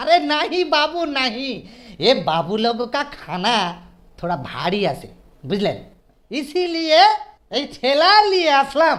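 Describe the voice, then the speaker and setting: In a put-on character voice, a high, female-sounding speaker goes at a fairly slow pace with a sing-song lilt. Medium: cartoon. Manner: sing-song, laughing.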